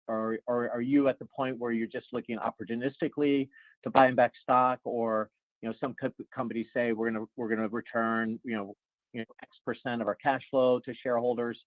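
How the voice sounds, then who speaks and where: A man working as a financial analyst, asking earnings-call questions haltingly and repeating his words. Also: medium pitch, no room sound. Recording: tinny, dry phone line.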